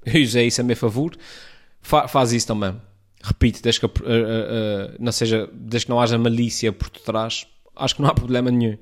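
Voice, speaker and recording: A man's voice: medium pitch, steady tone, a little fast. Chatty Azorean man hosting a podcast. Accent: Azorean Portuguese, São Miguel. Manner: rambling and chatty, with many restarts and "pá" fillers. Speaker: podcast host. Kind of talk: casual chat answering a listener message.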